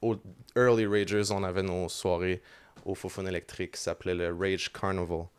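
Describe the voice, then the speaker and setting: A man's voice: low voice, flat delivery, normal speed, smooth. A man with a Québécois French accent, a band member chatting on a podcast and mixing English slang into his French. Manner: switches freely between French and English slang. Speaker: band member and lead vocalist, guest. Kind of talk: casual podcast conversation. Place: podcast studio.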